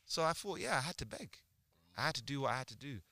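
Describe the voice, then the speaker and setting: A man's voice: medium pitch, expressive, fast, gravelly, pushed and bright, no echo. A young man, telling stories in casual, slangy street talk full of banter. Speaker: podcast participant. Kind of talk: animated casual banter and storytelling.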